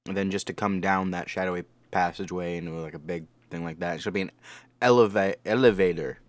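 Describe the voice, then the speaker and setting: A man's voice: low voice, fairly even intonation, quick pace, dry recording. A man giving casual, off-the-cuff reaction commentary, rambling and repeating words for emphasis. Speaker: anime reaction host and reviewer.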